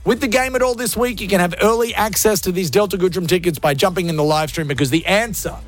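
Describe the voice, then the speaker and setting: In a radio studio with faint music behind him, a high-voiced radio host rattles off energetic banter at speed. He's hyped up, full of jokes and quick to mock himself.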